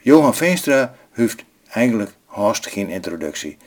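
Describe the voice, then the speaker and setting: A man's voice: lowish voice, sing-song, measured pace. A man presenting a radio segment, reading a scripted introduction in a plain way.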